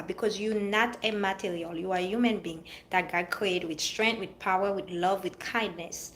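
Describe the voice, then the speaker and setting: A woman with a Haitian-French accent, giving an earnest motivational talk to viewers and repeating her phrases for emphasis. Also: medium pitch. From Haiti or France. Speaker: vlogger giving life advice. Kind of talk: motivational monologue.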